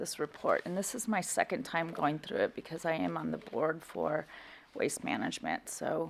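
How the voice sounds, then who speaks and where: The speech is loud and fairly slow, with noticeable background noise. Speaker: city council member. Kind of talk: council meeting discussion. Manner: trying to speak loudly.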